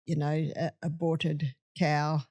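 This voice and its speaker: A woman's voice: deep voice, level tone, takes it slowly, a little mellow. Older woman telling health stories. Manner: emphatic storytelling with acted quotes. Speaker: health speaker. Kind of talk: conversational interview.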